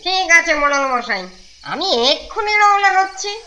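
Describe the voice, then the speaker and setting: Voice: extremely high pitch, very animated, moderate pace, noisy background. An actor voicing a small, eager young male ghost in a children's cartoon.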